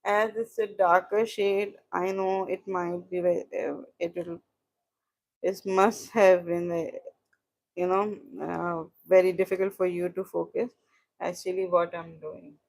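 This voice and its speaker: South Asian woman, halting and explanatory. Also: on the low side, little pitch movement, darkish tone, rough recording. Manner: halting, explanatory, repeats herself. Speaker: crochet instructor and live streamer. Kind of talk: casual crochet tutorial, chatting with viewers.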